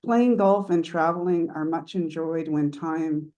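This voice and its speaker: A woman reading a prepared introduction of a guest speaker at a meeting in a formal, measured manner. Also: sits low, warm tone, muffled recording.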